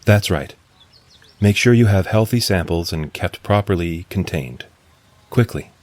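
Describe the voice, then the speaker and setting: An actor voicing a thoughtful male android, soft-spoken and reflective. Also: low voice, animated, a little slow, slight background noise. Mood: urgent. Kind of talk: radio drama acting.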